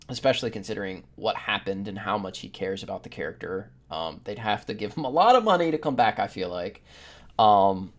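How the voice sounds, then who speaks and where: A man's voice: lowish voice, a little mellow. A man hosting a podcast, chatting informally and giving emphatic opinions. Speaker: podcast host. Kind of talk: casual opinionated panel chat.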